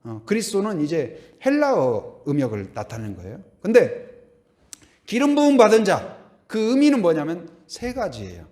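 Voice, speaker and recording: A man's voice: high-pitched, moderate pace. A middle-aged man preaching a Sunday sermon as pastor, asking the congregation questions and now and then humming or singing a hymn line. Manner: animated, asks the congregation questions, hums and sings hymn lines.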